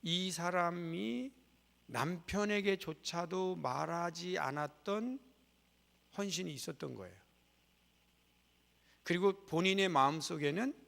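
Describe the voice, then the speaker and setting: Gravelly middle-aged preacher in a church. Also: male voice, on the high side, fairly bright tone. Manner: folksy, humorous and conversational. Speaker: guest preacher at a revival meeting. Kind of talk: storytelling sermon. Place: church sanctuary. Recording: long reverb of a church sanctuary.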